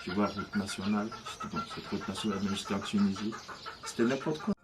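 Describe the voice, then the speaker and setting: Halting man in his thirties. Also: on the low side. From Côte d'Ivoire. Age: 30s. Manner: hesitant, halting, many restarts. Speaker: interviewee. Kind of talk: personal testimony.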